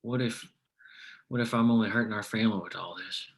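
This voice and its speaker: A man acts out a troubled leader of striking coal miners in a drama table read. His voice sits very low, crackles with fry and has a forceful edge. He is devoted to his family and carries the burden of command. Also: a little fast. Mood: worried, guilty.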